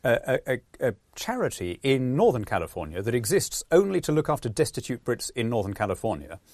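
A man's voice: medium pitch, fairly quick, dry recording. A man with a British accent, a podcast guest, talking animatedly, acting out quotes with many restarts. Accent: British English. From born in Peru, lives in England. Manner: lively storyteller, acts out quotes, frequent restarts. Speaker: guest, politician.

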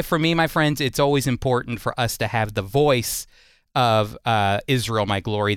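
A man hosts a Christian radio conversation with an earnest, explanatory manner. His voice is smooth and clear, and the sound is dry and close. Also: medium pitch, fairly bright tone, no room sound. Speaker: radio host.

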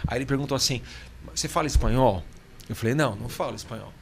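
A man's voice: mid-range voice, fast, slight background noise. A man with a Brazilian Portuguese accent, a podcast host telling anecdotes in slangy casual chat.

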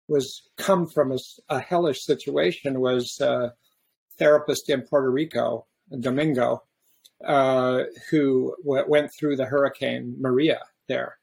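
A man hosting a podcast in a casual, reflective way, often halting and restarting his sentences. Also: mid-range voice, gravelly, a little mellow, slightly rough. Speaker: podcast host.

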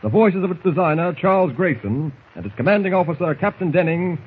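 A man narrates in the grave, theatrical style of 1940s radio drama. His high, husky voice comes through a thin, tinny old radio transcription. The narrow, phone-like band stays the same throughout. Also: expressive, brisk.

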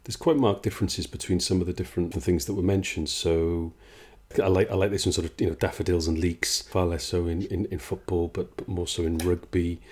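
Male interviewer with a low voice, reflective and halting. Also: level tone, a little mellow, husky. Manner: reflective, hesitant, with repetitions. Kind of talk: conversational interview.

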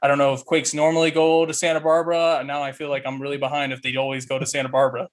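Fast-talking man, rambling sports chat. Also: fairly high pitch, level tone. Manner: rambling, many fillers. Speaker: podcast co-host.

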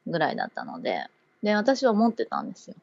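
A woman's voice: lowish voice, wildly swooping pitch, fast talker, creaky, darkish tone, no room sound, dull audio. A woman co-hosting a casual chat, telling a story in an easygoing way and laughing often. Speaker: podcast co-host.

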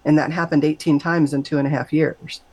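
Her voice is warm and husky, with little pitch movement and a fairly quick pace, captured on a dry, low-quality recording. The middle-aged woman is an interview-show guest earnestly and conversationally describing her near-death experience, acting out quoted voices with sudden high leaps in pitch.

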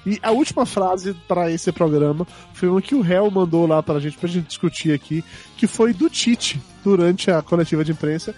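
Podcast host, male, from Brazil, hoarse today, high-pitched, self-mocking banter over faint music. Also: warm tone. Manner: joking, quick to laugh at himself. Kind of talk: casual chat.

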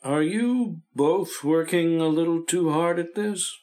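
An actor playing a calm family doctor in a vintage radio drama, speaking in a reassuring, matter-of-fact way. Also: male voice, a little high, unhurried, lightly acted. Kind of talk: 1950s radio drama acting.

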